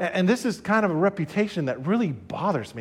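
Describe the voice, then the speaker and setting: A man with an American accent talks at a fairly quick pace, his pitch swinging very widely. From New Jersey, Somerset County. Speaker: pastor. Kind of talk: sermon.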